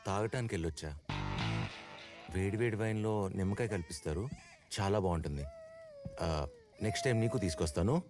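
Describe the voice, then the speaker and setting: A man's voice: low-pitched, quick pace, pauses often, over music, lightly acted. An actor playing a carefree, flippant young man who is stuck minding a baby, in a film comedy. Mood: offhand. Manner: breezy, flippant, bickering.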